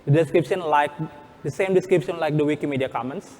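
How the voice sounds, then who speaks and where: A man with an Indonesian accent giving a step-by-step workshop presentation in halting non-native English, often repeating and rephrasing. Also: on the high side, a little mellow. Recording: very reverberant hall.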